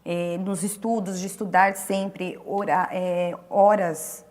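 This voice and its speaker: A woman interpreter explaining in a relaxed conversational way, restarting phrases and pausing as she talks. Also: lowish voice. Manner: explanatory, with frequent restarts and fillers. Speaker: sign language interpreter.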